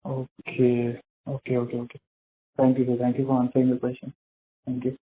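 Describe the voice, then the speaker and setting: A man's voice: mid-range voice, completely flat delivery, brisk. A man, an investor calling in over the phone, asks polite, hesitant questions with many fillers on an earnings call. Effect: speaking over a phone line. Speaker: individual investor caller. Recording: tinny phone line.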